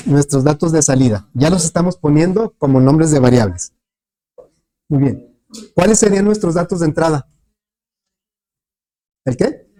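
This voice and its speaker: Speaking a little high with a dark tone, a male teacher delivers a lecture to his class. He frequently checks on his students with questions, staying patient while his speech is peppered with fillers and restarts.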